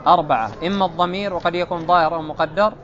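A man with a notably high voice leads a grammar lesson, laying out each rule in turn and stopping to quiz his students. The recording is dull and lo-fi. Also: fairly even intonation, racing, fairly bright tone. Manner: explains step by step, quizzes students with repeated checks. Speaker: grammar teacher. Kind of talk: classical Arabic grammar lesson.

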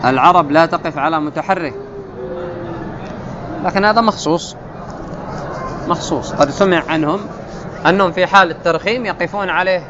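A man teaching a classical text, reading passages slowly and quizzing his students with questions he then answers. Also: high voice. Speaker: grammar teacher. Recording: muffled, noisy with outdoor traffic.

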